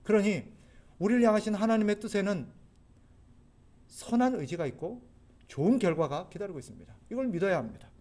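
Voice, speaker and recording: A male pastor with a high, bright-sounding voice delivers a sermon. He speaks earnestly and exhorts his congregation, at times pleading with them urgently. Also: lively intonation, a little fast, long pauses. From South Korea.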